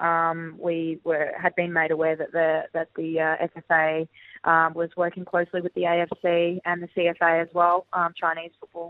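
A woman's fairly low, monotone, flat voice in an Australian accent at a fairly slow pace. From South Australia, Mount Gambier. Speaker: professional footballer. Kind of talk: radio interview.

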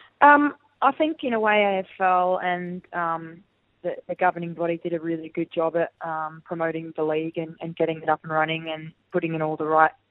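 A woman with an Australian accent speaks at a moderate pace in a fairly low pitch, her intonation fairly even. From Mount Gambier, South Australia. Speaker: professional footballer. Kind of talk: radio interview.

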